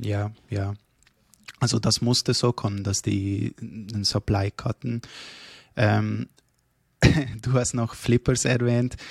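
Monotone and flat, a man with a fairly low pitch speaks at a very slow pace in a somewhat breathy voice. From Switzerland. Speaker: risk manager and NFT enthusiast. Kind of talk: casual interview chat.

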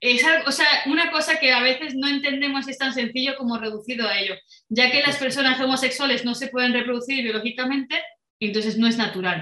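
A woman speaks at a very fast pace in a raised, projected voice. Her pitch is high, with ordinary pitch variation. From Venezuela. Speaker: illustrator and philosopher. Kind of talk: interview conversation.

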